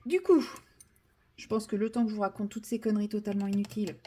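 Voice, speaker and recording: A woman's voice: medium pitch, fairly even intonation, fast, warm tone, a little hiss or hum. A woman chatting casually while she paints, full of fillers and self-deprecating asides. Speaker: vlogger.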